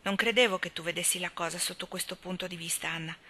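A woman reading aloud, voicing a calm, firm young male doctor who reasons patiently. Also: on the low side, fast, husky. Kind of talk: audiobook character reading.

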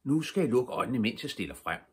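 An older man reading aloud, voicing a cheeky, fearless little girl in a lively, bold and playful way. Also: medium pitch, slightly rough, voice pushed up. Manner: lively, bold, full of fun.

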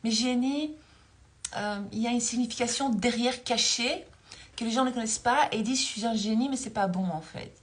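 A woman's voice: fairly high pitch, fairly quick. A woman in her forties talking casually as a spiritual coach on a livestream, recorded on a phone held close in a dim room. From Belgium. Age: 40s. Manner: chatty, laughs often, reads viewer comments aloud.

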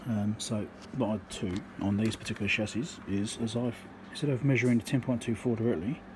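A man talking casually and matter-of-factly through electronics repair, thinking aloud in short fragments at a workbench. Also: mid-range voice. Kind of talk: casual unscripted workbench commentary. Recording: noisy hand-held workshop recording.

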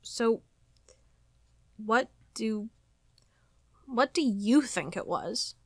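A woman playing a determined, inquisitive FBI agent in an audio drama, speaking in a measured, probing, earnest way. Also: on the high side, lively intonation, dry recording, studio quality, heavily acted. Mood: probing, concerned.

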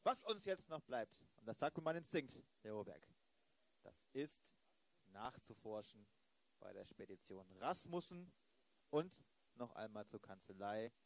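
A man's voice: lowish voice, big pitch swings, a little slow, no room sound, rough recording. A man playing a stern older police inspector in an improvised comic audio drama, emphatic and repeating phrases. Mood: insistent, lecturing.

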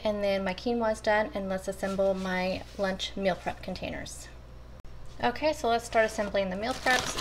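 A woman's voice: mid-range voice, very noisy. A woman vlogger talking viewers through her meal prep in a casual, chatty way from her home kitchen. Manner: chatty, addresses viewers as you guys. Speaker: cooking vlogger. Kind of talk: casual step-by-step cooking talk.

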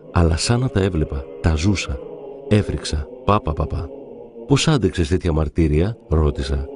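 A man narrating devout stories in a calm, measured reading. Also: sits low. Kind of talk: reverent scripted reading of saints' stories.

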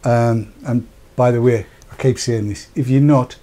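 An older man hosting a casual studio chat, croaky after dental work, jokey and rambling. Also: medium pitch, fairly even intonation, measured pace, warm tone. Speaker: host. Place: small studio with dark backdrop. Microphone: lapel.

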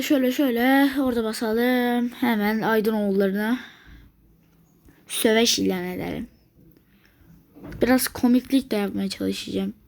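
A woman's voice: mid-range voice, gravelly. A woman commenting on a strategy game she is playing, grumbling in exasperation and thinking aloud to herself. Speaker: gameplay video maker.

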